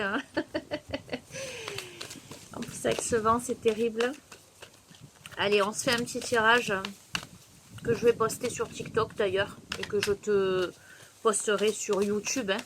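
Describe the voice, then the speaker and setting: A woman from Marseille with a southern French accent, chatting casually to the viewer while giving a tarot reading outdoors on a terrace. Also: fairly high pitch. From Marseille, southern France. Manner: chatty, laughs often, addresses viewer directly. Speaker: tarot reader. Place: outdoor terrace on a windy day. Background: faint wind noise.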